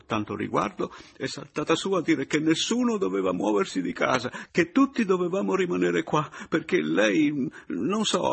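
A man's voice: mid-range voice, gravelly, breathy edge, pitched above the performer's own voice. A man voicing a distraught, tearful man who keeps breaking off mid-phrase as he pleads and defends himself.

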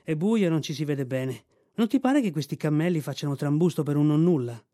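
A man voicing a gruff, bossy old army mule who scolds bluntly and briskly in a storybook reading. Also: fairly high pitch, animated, warm tone, no room sound, studio quality, lightly acted.

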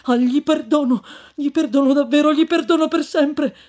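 A woman's voice: high voice, unhurried, voice pushed up. A woman reading aloud and voicing a desperate young man who pleads with raised cries. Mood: pleading.

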